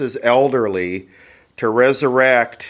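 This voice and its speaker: A man's medium-pitched voice with ordinary pitch variation at a very slow pace, on a very clean recording with a silent background. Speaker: vintage radio repair youtuber. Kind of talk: casual tutorial.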